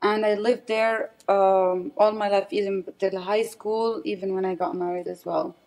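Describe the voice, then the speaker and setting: A woman from the West Bank, raised in Saudi Arabia, with an Arabic accent, giving personal testimony as an interview guest in halting non-native English, searching for words. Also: medium pitch, steady tone, darkish tone.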